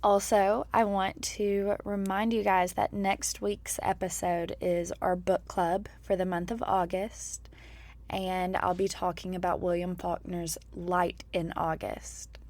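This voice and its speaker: A hoarse young woman in her twenties talks slowly and gently as she hosts her own podcast. Her voice sits a little low for a woman, and the recording is close and dry with no room sound. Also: flat delivery, no echo. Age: 20s. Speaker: podcast host. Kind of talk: personal podcast monologue.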